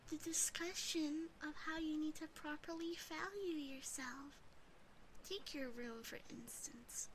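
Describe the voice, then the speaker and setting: A woman voicing a possessive, affectionate demon sister in an ASMR roleplay, soft and breathy at a close microphone. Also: high-pitched, unhurried, slight background noise, rough recording. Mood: tender, explaining. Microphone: close binaural microphone.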